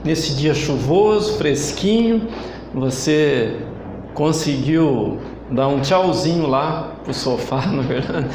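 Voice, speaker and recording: A man's voice: on the high side, animated, a little mellow, reverberant, a little hiss or hum, low-quality recording. A man from Brazil with a Brazilian Portuguese accent, preaching an online sermon as church leader and calling for answers from the congregation. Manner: slow, emphatic preaching with call-and-response. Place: church hall.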